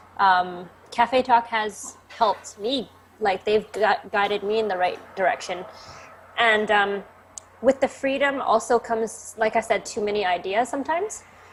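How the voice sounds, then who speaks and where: This woman has a Canadian accent. Her pitch is fairly high, with ordinary pitch variation. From western Canada (Vancouver, British Columbia). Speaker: online English tutor. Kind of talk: interview. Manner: fast.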